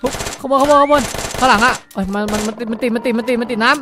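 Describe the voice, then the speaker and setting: A man giving excited, improvised gameplay commentary as host, exclaiming and repeating urgent calls, with music behind him. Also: very high-pitched, very fast. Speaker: gaming video host.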